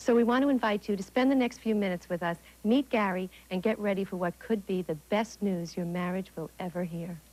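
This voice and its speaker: A woman with an unremarkable speaking voice talks fairly quickly at medium pitch, with ordinary pitch variation. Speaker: TV host. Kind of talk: infomercial host read.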